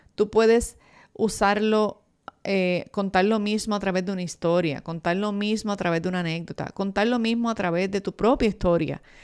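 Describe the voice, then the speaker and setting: A woman speaks at a fairly quick pace in an animated tone. The recording is very clean, with a silent background. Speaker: podcast host and podcasting coach. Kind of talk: podcast tutorial monologue.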